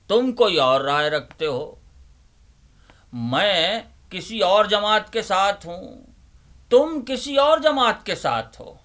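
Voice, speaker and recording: A man acts out a fussy old neighborhood librarian with a fairly high, forceful, bright voice. He is bookish and theatrical, leaning on his phrases in the style of a dramatic stage reading. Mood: impassioned. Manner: emphatic, deliberate, repeats phrases rhetorically. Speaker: host, dramatic reader of Urdu literature.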